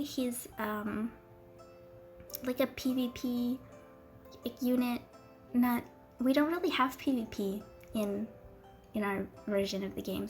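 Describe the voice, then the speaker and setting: A young woman gaming video creator chats through a game walkthrough in a fairly high, darkish voice, giggly and full of ums as she gushes over cute characters. She's losing her voice, turning hoarse and coughing, with faint music underneath.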